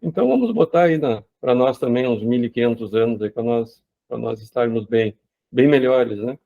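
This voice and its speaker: Gravelly man on a tinny line. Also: medium pitch, animated, moderate pace, mellow. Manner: conversational, frequent tag questions. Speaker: study group leader. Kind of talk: casual group discussion.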